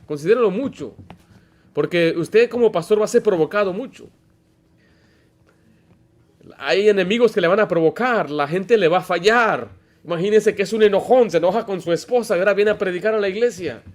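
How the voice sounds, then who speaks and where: A man's voice: high-pitched, fast talker. A man, preaching a Baptist sermon as pastor, emphatic and full of stories and rhetorical questions. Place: church.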